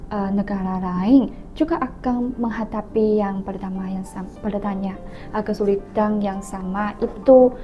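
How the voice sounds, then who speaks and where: A young woman from China with a Chinese accent, a native Mandarin speaker, answering interview questions as a student in halting foreigner's Indonesian. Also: medium pitch, lo-fi sound. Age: young adult. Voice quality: difficulty rolling the R. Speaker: student guest.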